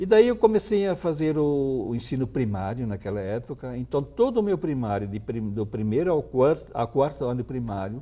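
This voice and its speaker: Hardly pausing, a man speaks in a dark, mellow tone, his pitch swinging very widely. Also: medium pitch for a man, moderate pace. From rural Rio Grande do Sul, southern Brazil. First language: German (speaking Portuguese). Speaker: philosophy professor and educator. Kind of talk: interview. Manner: halting.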